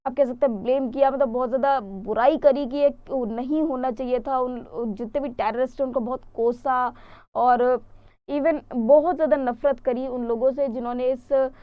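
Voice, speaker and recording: High-voiced Indian woman teaching vocabulary. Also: steady tone, moderate pace, dry recording, dull audio. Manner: chatty explaining, asks questions and answers them. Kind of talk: online exam-prep lesson.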